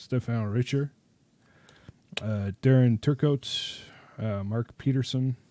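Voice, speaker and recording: Very slowly and with long, frequent pauses, a man talks in a dark, mellow tone with fairly even intonation. The sound is dry and close, with no echo. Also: medium pitch for a man, very clean recording, silent background. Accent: Canadian. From Canada. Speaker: card collector YouTuber. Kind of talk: casual unboxing commentary. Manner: casual, hesitant with fillers.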